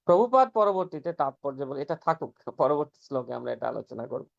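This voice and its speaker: A man's voice: a little high, big pitch swings, brisk, gravelly. A man giving an earnest devotional scripture talk, explaining step by step and chanting some passages aloud. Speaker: preacher. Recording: dull lo-fi recording.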